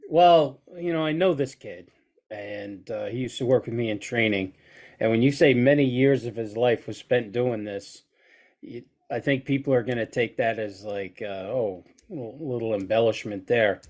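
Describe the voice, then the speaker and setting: A man's voice: medium pitch, moderate pace, darkish tone. A man co-hosting a casual podcast, congested from a heavy cold, teasing his partner with dry humor. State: has a cold. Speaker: co-host, trainer.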